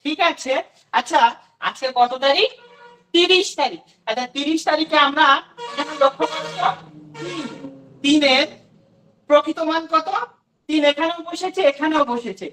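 A woman's voice: high voice, moderate pace, long pauses, a bit bright, recorded from a distance, rough recording. A woman teaching a demo class to imagined children, asking questions and then answering them herself.

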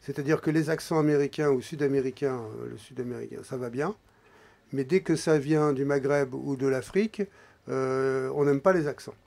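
A man in his forties, a guest in a radio studio, explaining at a measured, hesitant pace and often trailing off quietly. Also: mid-range voice, creaky. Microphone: studio microphone, wearing headphones.

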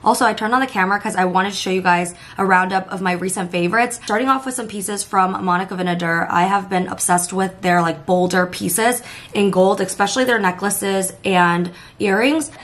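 A young woman chatting casually to camera in a vlog, her voice hoarse and worn after days of nonstop talking, upbeat, with lots of "like" fillers. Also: mid-range voice, fairly quick, a bit bright. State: hoarse, voice partly lost. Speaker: lifestyle vlogger. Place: hotel room and home bedroom, indoors. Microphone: camera facing her at arm's length.

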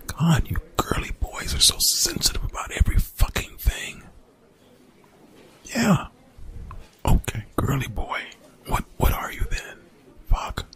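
A man playing a young college bully in an ASMR roleplay, gruff, defensive and grudgingly apologetic, in hushed, breathy, exasperated slang with swearing. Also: wildly swooping pitch, unhurried, long pauses, full character voice. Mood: irritated, impatient. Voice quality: whispered, breathy, gravelly low voice.

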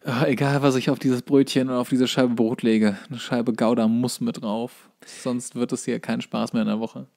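A man's voice: medium pitch, little pitch movement, normal speed, creaky, hardly any pauses, darkish tone. A man chatting as a podcast co-host in a wry, jokey, informal style. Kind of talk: casual comedic podcast chat.

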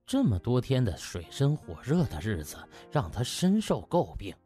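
A man's voice: medium pitch, huge pitch swings, normal speed, mellow, husky, faint music behind. A man narrating a novel as an audiobook in a dramatic storytelling style.

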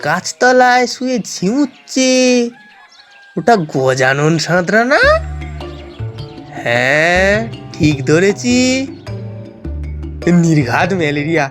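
A man's voice: on the high side, animated, takes it slowly, long pauses, fairly bright tone, soft background music. An actor playing a brash, boastful young man who plays doctor in a comic audio drama, theatrical and self-important. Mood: scheming.

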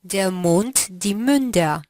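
Female teacher voice, unhurried and precise, dry studio sound. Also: mid-range voice, lively intonation, darkish tone, no room sound. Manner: slow, carefully articulated prompting. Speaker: language teacher. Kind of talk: language lesson drills.

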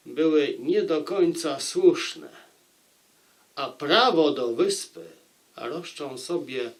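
A man talks to his viewers about a book in the manner of a storyteller. His delivery is unhurried, with deliberate pauses between phrases. The intonation swings widely, keeping the narration lively. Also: fairly high pitch. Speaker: book reviewer and audiobook narrator. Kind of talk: book review, addressing viewers.

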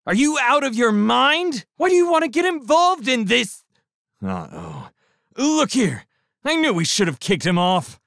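A man's voice: extremely low pitch, slow, hardly any pauses, husky, no room sound, studio quality, voice pushed down, heavily acted. A man doing a sneering, snappish little spaceship crewman. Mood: snapping. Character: short sneering hostile male spacer.

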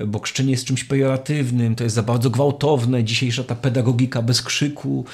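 A man talks through a religious teaching at an unhurried, thoughtful pace, often restarting his phrases as he searches for the right word. His voice has a gravelly edge and a husky, slightly raspy texture. His pitch sits in an ordinary middle range. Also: fairly even intonation. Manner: reflective, searching for words with many restarts. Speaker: lecturer on faith. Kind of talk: spoken catechesis.

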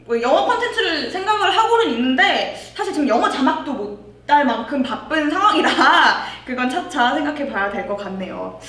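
Casting: young woman, casual co-host reading and answering questions, swooping high voice, roomy sound. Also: expressive, brisk, a bit bright. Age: 20s. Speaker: YouTube host. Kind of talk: casual Q&A chat. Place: bare white indoor studio. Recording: echoey room, distant mic.

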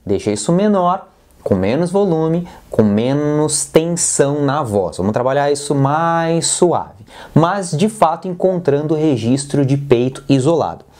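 A man's voice: fairly high pitch, lively intonation, measured pace, a little mellow. A man with a Brazilian Portuguese accent teaching a singing lesson, coaching in a direct, playful way and demonstrating sounds. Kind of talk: vocal lesson with exercises.

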